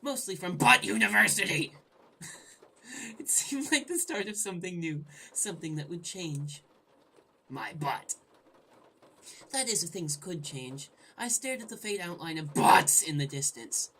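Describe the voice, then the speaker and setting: A woman's voice: fairly low pitch, sing-song, measured pace, sharp tone, slight background noise. A woman hosting a gaming video, playfully reading the script aloud and commenting with irreverent, sudden exclamations. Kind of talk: let's play commentary, joking read-aloud narration.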